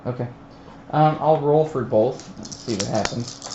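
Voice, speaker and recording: A man's voice: mid-range voice, measured pace, mellow. A man playing a board game, chatting casually with a sweary, mock-grumbling manner. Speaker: player on a live tabletop stream. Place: room around a game table. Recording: muffled, echoey room, faint noise.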